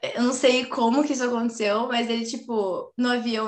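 A woman speaks with fairly high pitch and fairly even intonation. Noticeable background noise runs behind her. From Brazil, Paraná (Londrina). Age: 20s. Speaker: podcast co-host. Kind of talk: casual chat.

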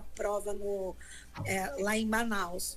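A woman's voice with audible room echo. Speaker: lawyer. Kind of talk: radio panel discussion.

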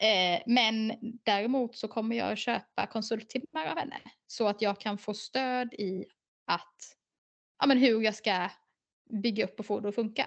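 Against a quiet background, a woman speaks in an unremarkable speaking voice at a fairly slow pace, her pitch fairly high with ordinary variation. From Småland, Sweden (near Halland border). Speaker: accountant, business owner. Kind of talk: casual interview.

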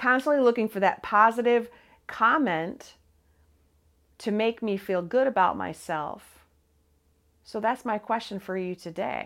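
The recording is very clean, with a silent background. It carries a normal speaking voice with ordinary pitch variation. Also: woman. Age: 50s. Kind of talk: religious teaching. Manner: warm, earnest.

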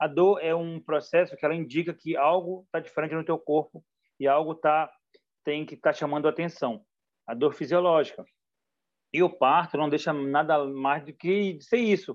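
Against a quiet background, a man with an unremarkable speaking voice talks at a moderate pace, his fairly high pitch held to fairly even intonation. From northern Brazil, Macapá. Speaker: hypnotherapist. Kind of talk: online panel talk.

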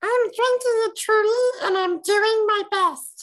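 This is a put-on character voice, squeaky and extremely high in pitch. It moves at a fairly slow pace. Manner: silly put-on voice.

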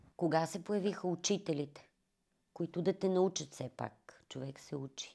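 This woman has a fairly low pitch and a dark, mellow tone, speaking at a moderate pace with ordinary pitch variation. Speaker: podcast host. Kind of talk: interview. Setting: workshop.

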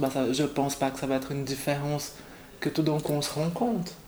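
Over noticeable background noise, a woman speaks with a very deep, low voice. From Brazil. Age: 30s. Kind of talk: interview. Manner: halting, with many repetitions.

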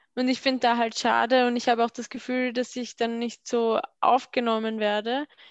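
A woman in a plain, everyday voice speaks at a fairly slow pace and a fairly high pitch, with a dry, close sound, no echo and a quiet background. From Austria, Vienna. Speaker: podcast panelist. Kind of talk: casual chat.

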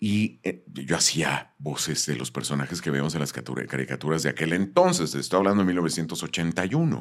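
This man's voice sits very deep and low, with vocal fry. He talks at a fairly slow pace yet hardly pauses. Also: ordinary pitch variation. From Chihuahua, Mexico. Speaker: voice actor and announcer. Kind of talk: interview.

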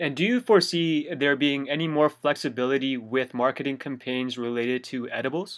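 A man with an ordinary speaking voice talks at a fairly quick pace with hardly any pauses, his pitch fairly high and its variation ordinary, on a very clean recording with a silent background. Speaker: podcast host. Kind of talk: interview.

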